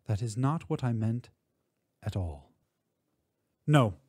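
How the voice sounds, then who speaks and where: A man giving an expressive, measured recitation of literary poetry, drawing out words for emphasis. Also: mid-range voice, no echo. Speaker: poetry reader.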